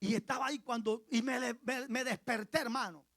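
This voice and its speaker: A male pastor with a Colombian Caribbean accent preaches a sermon as a story, repeating phrases for emphasis and swinging from soft asides to loud cries. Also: very high voice, fairly even intonation, moderate pace, vocal fry, no echo. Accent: Colombian Caribbean Spanish.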